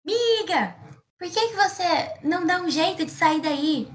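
A woman's voice: high voice, a little fast. A woman voicing a group of animal friends who call out encouragement. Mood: urging. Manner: urging, encouraging. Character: chorus of cheering animal friends.

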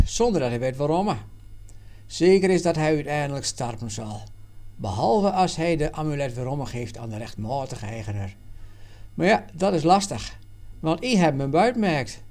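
A man reading aloud and voicing Jan, an adult man and worldly former trader who explains things earnestly and loudly. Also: fairly high pitch, lively intonation, normal speed.

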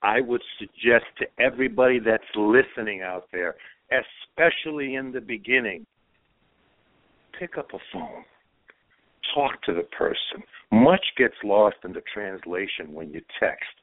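Speaking as a guest in a casual chat over what sounds like a phone line, a man from Croatia hands out dating advice with emphasis, frequently adding "okay?" His lowish voice is animated and a little slow, with no echo.

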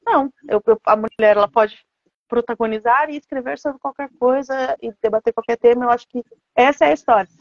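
A Brazilian woman with a fairly high voice talks as an author in an interview. She explains things earnestly and conversationally, often adding little check-in tags. The sound is roomy and echoey, and somewhat dull and lo-fi. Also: a little fast. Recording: echoey room, dull lo-fi audio.

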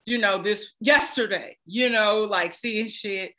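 A woman hosting a casual podcast interview, talking in a relaxed, slangy way. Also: medium pitch, takes it slowly. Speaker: podcast host.

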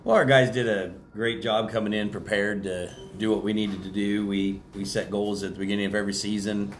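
Flat, lowish-voiced male coach. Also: a little fast, slight background noise. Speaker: high school basketball coach. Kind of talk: casual interview answers.

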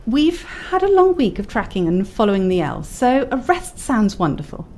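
Woman doing rpg roleplay, normal pitch, little bit of background noise. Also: very animated, normal speed, darkish tone. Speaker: player in a tabletop roleplaying game. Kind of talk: in-character roleplay and narration.

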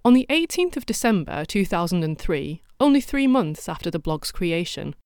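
Wry, low-voiced woman narrating. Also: sing-song, moderate pace, darkish tone, smooth, no echo. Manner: dry, wry asides. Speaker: podcast host. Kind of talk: scripted documentary narration.

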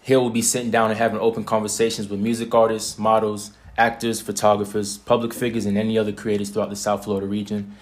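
A man's voice: on the low side, level tone, fast talker. A young man hosting an interview, talking in laid-back, slangy chat. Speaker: interview host. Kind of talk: casual interview conversation.

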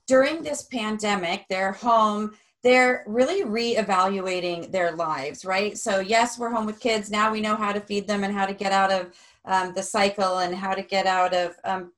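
A woman's voice: medium pitch, a bit bright. A woman hosting an interview, casual and affirming, often chiming in to agree. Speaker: interview host.

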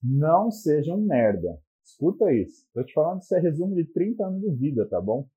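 A man's voice: fairly high pitch, big pitch swings, a little fast, mellow, husky, low-quality recording. A man with a Brazilian Portuguese accent giving blunt, profane relationship advice in a crude comic monologue.

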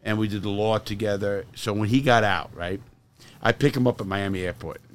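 A man hosting a casual podcast in an RV, a loud, laughing storyteller who jokes and swears freely. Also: on the low side, steady tone, a little fast. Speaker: podcast host. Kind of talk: casual chat.

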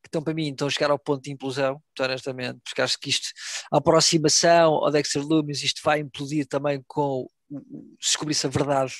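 A man's voice: fairly high pitch, level tone, fast talker, dry recording. A young man in casual podcast chat, slangy, repeating words as he searches for phrasing and mixing in English. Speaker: wrestling podcast co-host.

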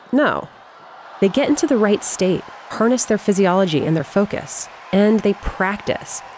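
A woman hosting, smoothly reading a scripted introduction. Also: mid-range voice, a little mellow, a little hiss or hum. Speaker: podcast host.

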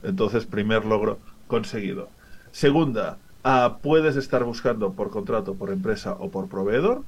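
A man from Barcelona, with a Spanish accent tinged with Mexican, speaking as a guest in a radio interview and explaining his project in a lively, chatty way. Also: lowish voice, moderate pace, breathy edge. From Barcelona, Spain. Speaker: guest, director of a data project. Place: remote from another city, away from the studio.

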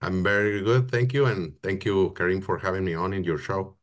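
A man from Mexico, a guest telling his story in a casual interview, pausing often and restarting as he searches for words. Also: deep voice, steady tone. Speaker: football operations project manager, guest.

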